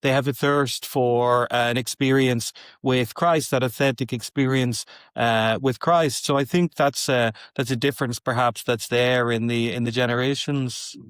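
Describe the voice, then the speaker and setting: A man's voice: mid-range voice, moderate pace, few pauses, smooth, no echo. Male podcast host, dry sound. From Ireland. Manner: relaxed, asks long framing questions. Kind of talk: interview questions.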